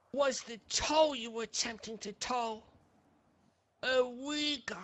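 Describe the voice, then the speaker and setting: Putting on a character voice, a man speaks extremely high at a fairly slow pace with fairly even intonation. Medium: game stream. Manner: broken English, blunt.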